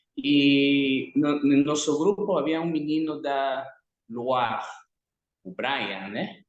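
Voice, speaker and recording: Audible room echo surrounds this man's voice. His pitch is fairly high. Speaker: church service leader. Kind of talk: church service, thanksgiving and prayer requests. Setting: online church service.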